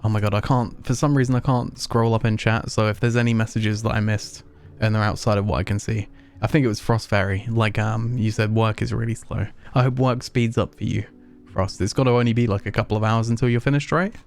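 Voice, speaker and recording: A man's voice: lowish voice, steady tone, fairly quick, few pauses, faint music behind. A man casually chatting and joking while live-streaming a game. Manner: playful, rambling, teasing chat. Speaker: gaming streamer.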